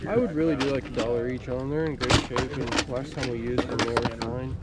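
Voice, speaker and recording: A man selling his items at an outdoor flea market, haggling in a relaxed, friendly way. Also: medium pitch, brisk. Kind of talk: casual haggling. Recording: outdoor noise, heard off-mic.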